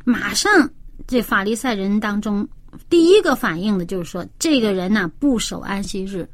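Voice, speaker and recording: A woman's voice: medium pitch, lively intonation, moderate pace, dry recording. A woman co-hosting a Bible study, explaining the story and agreeing with short replies. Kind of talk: Bible discussion.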